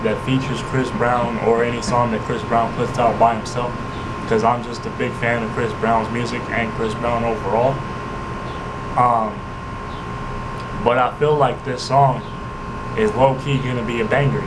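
A man's voice: mid-range voice, very noisy. A young man casually talking to the camera as a music reaction vlogger, rambling and laid-back with lots of fillers, in a small room. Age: young adult. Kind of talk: casual slangy monologue to camera.

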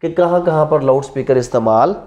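A man's voice: mid-range voice, a little fast, darkish tone, dull audio. A man in his thirties with a Pakistani accent teaches a class, posing rhetorical questions and repeating key terms. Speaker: law teacher. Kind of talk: classroom lecture mixing Urdu and English terms. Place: indoors in front of a classroom whiteboard.

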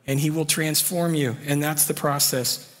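A man's voice: fairly high pitch, steady tone, moderate pace, a bit bright. A man preaching a sermon as pastor, telling stories in a conversational way and asking rhetorical questions. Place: church sanctuary. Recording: long reverb of a church hall.

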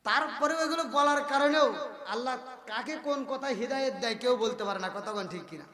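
A very high-pitched man preaching at a gathering, his voice sharp and forceful. He tells funny stories and keeps asking the crowd whether he is right. The sound is a roomy live recording with a long reverb tail. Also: fast talker. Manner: humorous storytelling, asks the crowd to agree. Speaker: Islamic preacher. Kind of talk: Bengali waz sermon. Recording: echoey live hall with reverb.

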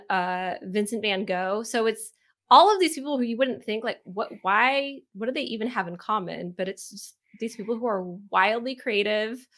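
A woman's voice: mid-range voice, a bit bright. A woman being interviewed about her work, chatting casually and loosely. She restarts her sentences often and keeps an easy, talkative flow. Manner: chatty, with frequent restarts and laughter. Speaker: podcast co-host and marketer.

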